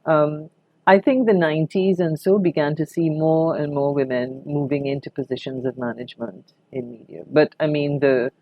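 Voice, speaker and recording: A woman's voice: low-pitched, fairly even intonation, normal speed, no echo, muffled recording. An older woman with a Trinidadian accent reminiscing conversationally in an interview, telling anecdotes expressively as a veteran broadcaster.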